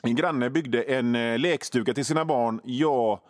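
A man's voice: mid-range voice, no echo, clean studio sound. A middle-aged man hosting a radio show, telling absurd made-up stories with swearing and big swings in his delivery. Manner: absurd tall tales told with lively swings and swearing. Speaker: radio host. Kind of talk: comic storytelling on radio.

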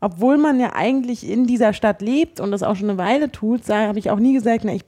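Rambling Berlin woman, mellow voice. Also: a little high, quick pace. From Berlin, Germany. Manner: rambling, many restarts and fillers. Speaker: podcast co-host. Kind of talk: casual chat.

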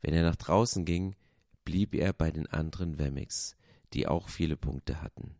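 Deep dark-voiced guy reading a kids story aloud, expressive, dry close sound. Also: normal speed, no echo. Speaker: pastor.

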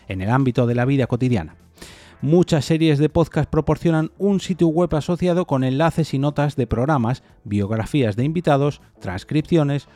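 A man's voice: mid-range voice, mellow, no echo. A man hosting a solo opinion podcast, reading definitions aloud and talking them through informally. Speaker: podcast host.

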